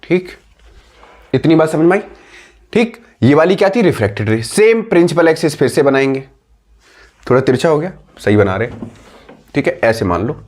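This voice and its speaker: A man teaching a physics lesson to schoolchildren, asking them questions, repeating key terms and dictating notes slowly. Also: on the high side, very animated, a little mellow. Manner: calls students "बेटा", "बच्चों". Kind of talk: classroom lesson.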